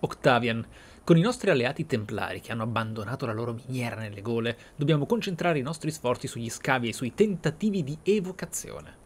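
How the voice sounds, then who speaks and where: A man giving dramatic game commentary as a streamer, theatrical and deliberate, with drawn-out phrases. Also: medium pitch, expressive, husky. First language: Italian. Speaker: gaming streamer. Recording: faint game ambience behind. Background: video game sounds.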